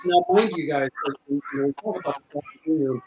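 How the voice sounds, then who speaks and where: A man's voice: a little high, moderate pace, a little mellow. A man hosting a casual group chat over a call, rambling with restarts, heard through a bad connection where his mic cuts and feeds back. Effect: bad connection, cutting mic with feedback. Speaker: podcast host. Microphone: online call mic. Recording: echoey, cutting call mic with faint noise.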